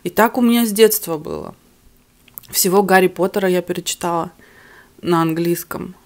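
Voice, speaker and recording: A young woman with a slightly low voice talks candidly to a camera on the table in front of her, pausing between bites of food. Her first language is not Russian. She sounds relaxed and at home in her living room. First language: other than Russian. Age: young adult. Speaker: mukbang vlogger. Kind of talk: casual chat to camera while eating.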